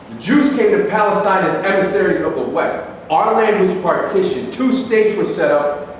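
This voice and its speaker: Male actor as accusing Arab man in political argument, highish voice, stage reading in a very reverberant hall. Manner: argumentative, rhetorical, formal wording. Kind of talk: staged play reading, declaimed debate dialogue. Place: live staged reading in a reverberant room, distant microphone. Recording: echoey hall from far off, faint noise.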